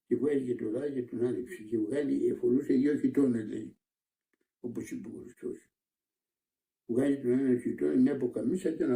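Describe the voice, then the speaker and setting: An older man, a monastic elder, slowly retelling a parable with many repetitions in an interview, recorded in a roomy space from a distant mic. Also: medium pitch, gravelly, mellow. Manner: slow, repetitive storytelling.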